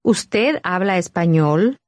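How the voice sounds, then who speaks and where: A woman reading scripted dialogue lines for a language course with clear, careful enunciation. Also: fairly low pitch, expressive, slow, no room sound, clean studio sound.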